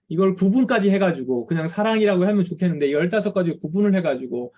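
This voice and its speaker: Pastor, male, middle-aged; mellow, husky voice; casual lecture-sermon that slips into acted quotes. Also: a little high. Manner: conversational, acts out quoted complaints of tired parents. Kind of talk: lecture-style sermon to parents.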